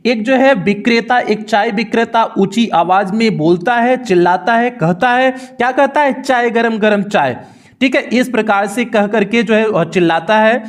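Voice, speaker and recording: A man with a North Indian accent teaching a textbook lesson, reading each phrase and then repeating its meaning slowly. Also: high voice. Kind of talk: bilingual line-by-line textbook explanation.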